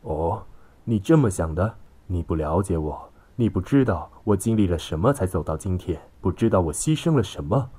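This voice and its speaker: A man's voice: sits low, expressive, normal speed, mellow, husky. A man voicing a belligerent, contemptuous middle-aged father in an audiobook story, scolding and sneering. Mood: bitter.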